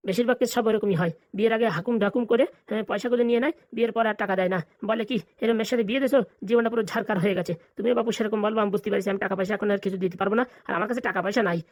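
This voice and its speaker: Woman playing a fast, blunt old village grandpa. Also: medium pitch, steady tone, close to an everyday voice. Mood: scolding. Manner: scolding, blunt, colloquial. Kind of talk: comic cartoon dialogue.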